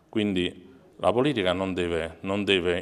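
A man talks at a fairly slow pace. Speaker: regional councillor. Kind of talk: political talk show debate. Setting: studio. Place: studio. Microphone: lapel.

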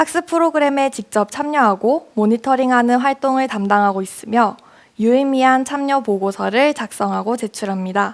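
A woman's high-pitched voice with ordinary pitch variation and very even loudness. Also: moderate pace. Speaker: university student. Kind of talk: prepared presentation. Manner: formal.

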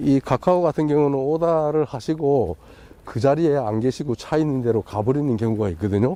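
A man's dark, mellow tone at a fairly high pitch with ordinary pitch variation, fairly quick pace and very even loudness, in a dry, close sound with no echo. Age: 70s. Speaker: designated driver. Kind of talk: casual talk on the job.

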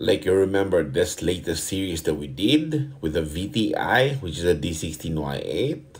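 A man with a fairly low voice whose pitch swings very widely. There is some breathiness, and the room echo is audible. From Mozambique. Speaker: auto mechanic, engine builder. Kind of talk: tutorial. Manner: casual.

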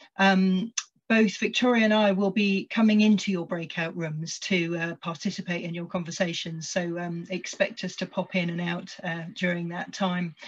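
A woman's somewhat breathy voice with fairly even intonation and hardly any pauses, over a quiet background. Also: moderate pace. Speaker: webinar moderator. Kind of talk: moderating a webinar. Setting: video call. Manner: hesitant, many fillers. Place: home room. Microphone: video call.

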